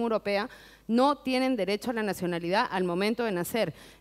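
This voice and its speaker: A woman's plain, everyday voice, medium in pitch with ordinary pitch variation, at a fairly quick pace. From Peru. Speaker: artist and activist. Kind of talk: panel discussion. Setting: public event with live audience.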